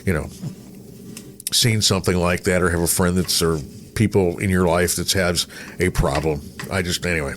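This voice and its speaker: Lowish-pitched American man chatting. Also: fairly even intonation, normal speed, a little hiss or hum. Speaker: radio veteran and former music director. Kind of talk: casual chat.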